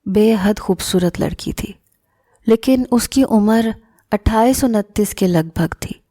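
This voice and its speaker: A woman narrating a first-person story in a calm, measured storytelling manner. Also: mid-range voice, no room sound, studio quality. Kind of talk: scripted narration.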